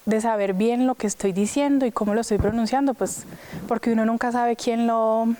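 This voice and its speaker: Chatty young woman with a mellow voice. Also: fairly high pitch, brisk, a little hiss or hum. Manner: chatty and animated, full of "pues" and "o sea". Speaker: opera singer. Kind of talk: casual interview talk.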